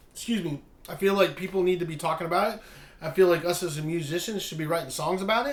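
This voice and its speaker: A man speaks with an American accent. His voice is high-pitched and his pace is very fast. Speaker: musician and YouTuber. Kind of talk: vlog rant. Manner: hesitant, many fillers.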